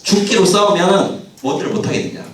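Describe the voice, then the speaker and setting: A man giving a lively history lecture, who asks the audience questions and acts out the lines of the people in his story. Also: high voice, quick pace. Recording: roomy hall sound, mic at a distance.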